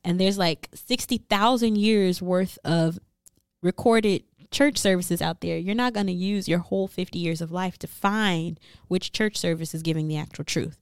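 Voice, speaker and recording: A woman co-hosting a casual discussion, explaining her views in a steady, reasoned way. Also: on the low side, moderate pace, clear, resonant tone, no echo, clean studio sound.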